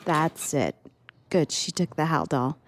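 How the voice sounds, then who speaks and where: An actress playing a calm nurse who speaks in a soothing, coaxing way in an audio drama. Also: female voice, low voice, a little slow, a little hiss or hum. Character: calm care-home nurse.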